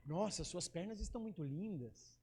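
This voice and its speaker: A man voicing a lovestruck adult man murmuring sweet talk, soft and slow. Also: sits high, expressive, slightly rough, voice pushed down, heavily acted. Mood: crooning.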